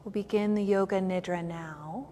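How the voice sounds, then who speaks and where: A woman yoga teacher leading a guided meditation in unhurried phrases with long pauses between them. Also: medium pitch, fairly even intonation, dark tone, a little hiss or hum. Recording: long hall-like reverb.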